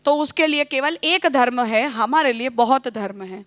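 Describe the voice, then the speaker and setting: Woman, religious teacher, devotional discourse, high pitch, smooth resonant voice. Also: a bit bright, no echo. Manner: explanatory, measured, mixes English terms.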